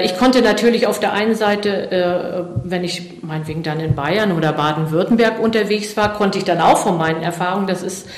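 Low-voiced woman, hesitant interviewee. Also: reverberant. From East Germany. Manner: hesitant, many fillers and restarts. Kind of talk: reflective interview answers.

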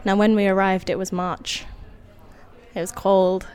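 She speaks at a medium pitch and in a level tone, telling a personal story without hurry and with a wry touch and gentle laughs. She was born in Indonesia, and Indonesian was her first language.

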